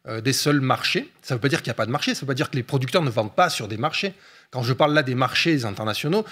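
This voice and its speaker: A man's voice: medium pitch, a bit bright. A man, an economist guest on a discussion show, explaining at length with frequent hesitation fillers.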